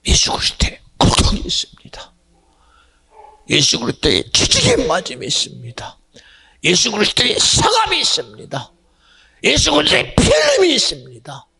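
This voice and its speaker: A male pastor preaching a dramatic sermon that swings between hushed whispers and loud shouts. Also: very high voice, wildly swooping pitch, moderate pace, creaky, husky.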